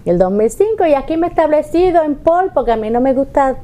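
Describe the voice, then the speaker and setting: A woman from Ponce with a Puerto Rican accent, guesting on a local TV show. Her voice sits a little high yet mellow, and she tells her story in a lively way, full of local sayings. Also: fast talker. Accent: Puerto Rican Spanish. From Ponce, Puerto Rico. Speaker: guest artisan. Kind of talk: interview answers.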